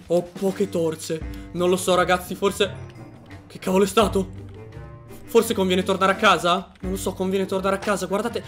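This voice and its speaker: A man giving gaming commentary, jumpy and excitable, dropping to hushed mutters and then jumping to high frightened yelps. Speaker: video game let's player.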